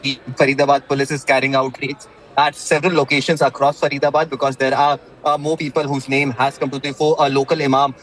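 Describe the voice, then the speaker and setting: A man with an Indian accent reporting breaking news live, haltingly, with repeated words and many filled pauses. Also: medium pitch, flat delivery, fairly bright tone, poor audio.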